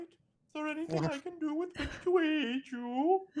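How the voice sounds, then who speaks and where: In a put-on character voice with a Swedish accent, the speaker talks at a high pitch and a moderate pace. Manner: comic put-on.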